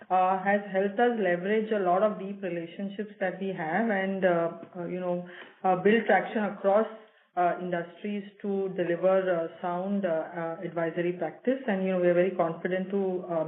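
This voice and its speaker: A woman executive answering a question on a conference call, halting with many fillers. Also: mid-range voice. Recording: echoey tinny phone line.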